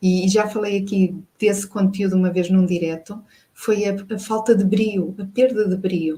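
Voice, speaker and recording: Speaking with a European Portuguese accent, a woman talks at a medium pitch. Her voice is the only trait noted beyond that accent and pitch. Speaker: fashion designer and livestream host. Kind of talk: live stream chat reading comments. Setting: live stream.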